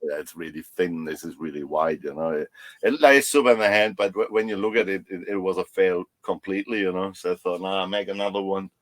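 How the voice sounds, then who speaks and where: A man with a German accent carrying a slight Australian lilt talks casually as a podcast guest. His voice sits fairly low and sounds dry and close. He is chatty and self-deprecating, laughing easily at himself. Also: fairly even intonation, brisk, dry recording. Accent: German with a touch of Australian. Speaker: guest slingshot maker.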